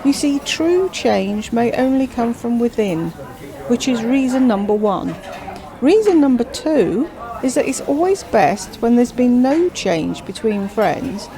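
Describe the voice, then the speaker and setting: A woman's voice: a little high, big pitch swings, a little slow, mellow, voice pushed up, low-quality recording. A woman voicing a chatty, self-absorbed widowed queen who drawls with grand theatrical emphasis. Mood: grandiose.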